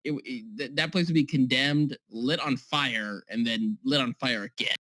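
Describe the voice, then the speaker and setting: A man's voice: medium pitch, moderate pace, pushed and bright, no room sound, rough recording. A man co-hosting a casual podcast over a call, rambling and joking, often restarting and apologizing. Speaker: podcast co-host.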